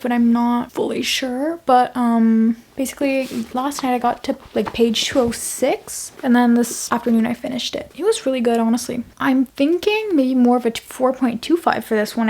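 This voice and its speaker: A woman's voice: on the high side, darkish tone. A woman in her twenties from Quebec, French her first language, with a Quebec French accent, rambling chattily through a casual reading vlog with lots of restarts and fillers. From Quebec, Canada. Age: 20s. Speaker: book vlogger. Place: home office at night.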